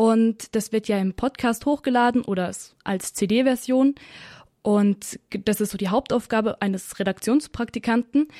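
Recorded very cleanly with a silent background and a dry, close sound with no echo, a woman speaks fairly slowly in a dark, mellow tone, fairly high in pitch with fairly even intonation. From Baden-Württemberg, Germany (Bühl near Baden-Baden). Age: 20s. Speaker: radio intern. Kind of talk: interview.

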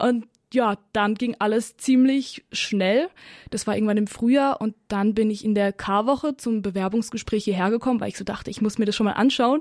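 A woman with a plain, everyday voice speaks at a fairly high pitch and a moderate pace, her intonation fairly even. The recording is very clean with a silent background and a dry, close sound with no echo. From Baden-Württemberg, Germany (Bühl near Baden-Baden). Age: 20s. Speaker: radio intern. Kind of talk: interview.

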